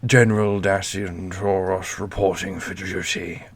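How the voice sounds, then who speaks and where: A man voicing a loyal, stubborn old general with formal military manners and a gravelly, husky voice in a fantasy roleplay. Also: low-pitched, little pitch movement, a little slow. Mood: resolute. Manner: formal, respectful military address. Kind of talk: ASMR fantasy audio roleplay.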